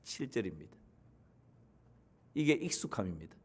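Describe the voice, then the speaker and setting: A man's voice: on the low side, big pitch swings, moderate pace, husky. A male pastor delivering a sermon, repeating emphatic declarations and blessing the congregation.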